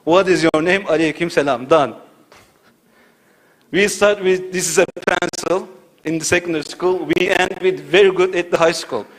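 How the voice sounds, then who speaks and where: Man lecturing, slightly high voice. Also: normal speed, fairly bright tone, rough recording. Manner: rhetorical, checks in with "right?" and "you see". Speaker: conference speaker. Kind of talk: academic lecture. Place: auditorium.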